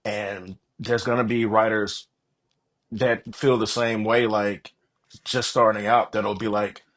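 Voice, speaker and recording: A man's voice: on the low side, little pitch movement, slow pace, a bit bright. A man speaking as an author guest in a casual interview, telling stories earnestly and self-deprecatingly and voicing his own thoughts. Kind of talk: casual, animated interview chat.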